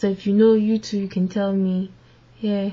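At a moderate pace, the voice sounds somewhat breathy, with a dark, mellow tone and monotone, flat intonation. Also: woman. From London, England (childhood partly in Ghana). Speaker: YouTube vlogger. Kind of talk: casual vlog, Q&A tag video. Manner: code-switching between English and Fante. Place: home room. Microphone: webcam.

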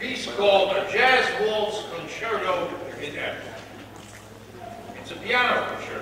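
A man speaks fairly slowly in a high voice with ordinary pitch variation. Noticeable background noise and strong room echo surround him. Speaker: composer, pianist and conductor. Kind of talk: spoken introduction to a concert piece. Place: stage. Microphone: pa.

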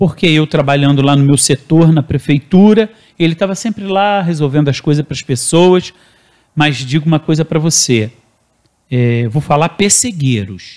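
Over a quiet background, a man with a plain, everyday voice and a fairly high pitch talks with lively intonation. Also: moderate pace. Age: 50s. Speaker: city councillor. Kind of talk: interview. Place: studio. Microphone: handheld.

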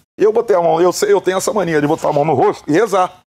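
A man with a high pitch, talking at a very fast pace. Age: 50s. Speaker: samba singer; podcast guest. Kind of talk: podcast interview. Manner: repetitive stammering. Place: studio. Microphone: lapel.

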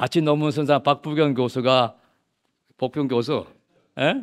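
Against a quiet background, a man with a fairly high pitch talks at a very slow pace with ordinary pitch variation. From South Korea. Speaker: professor emeritus, engineer; invited lecturer, emeritus professor. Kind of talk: lecture. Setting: stage with audience. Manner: halting, many fillers. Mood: relaxed, anecdotal, joking. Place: hall. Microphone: podium.

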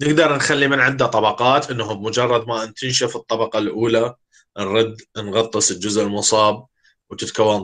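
A man speaks at a moderate pace with an Iraqi accent. The background is quiet. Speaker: university lecturer. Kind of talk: lecture. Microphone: webcam.

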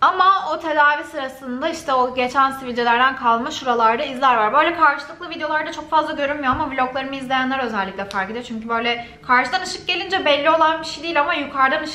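A woman's high, raised, projected voice at a very fast pace, with audible room echo. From Turkey, Bursa; Turkey. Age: 20s. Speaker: beauty and lifestyle youtuber; lifestyle youtuber. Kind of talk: casual Q&A vlog. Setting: home, on a couch. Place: home room.

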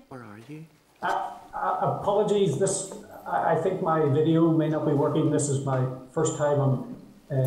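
A man talks at a fairly slow pace, with audible room echo and light background noise around him. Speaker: witness. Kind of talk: formal briefing to committee. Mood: hesitant, apologetic at start. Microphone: video call.

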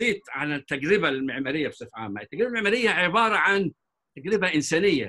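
A man talks in a high pitch. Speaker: architect; architecture lecturer. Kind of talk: audience question. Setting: video call. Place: home room. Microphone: webcam.

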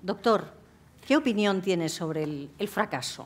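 Using a normal speaking voice, a woman of medium pitch talks at a moderate pace with lively intonation. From Spain. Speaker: moderator. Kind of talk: panel discussion. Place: stage. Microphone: headset.

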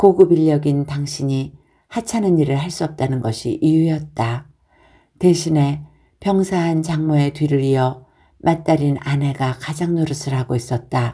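A somewhat breathy voice speaks at a fairly slow pace with ordinary pitch variation. The recording is very clean, with a silent background. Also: woman, very deep, low pitch for a woman. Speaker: audiobook narrator. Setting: home recording with quiet background music. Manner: soothing, slow, calm, gentle and hushed, ASMR-like.

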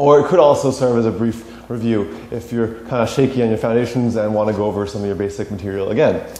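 Audible room echo surrounds a man's medium-pitched voice. He talks at a very fast pace with hardly any pauses and ordinary pitch variation. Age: 20s. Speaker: physics teacher. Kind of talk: lecture. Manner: halting. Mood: enthusiastic about physics. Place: classroom.

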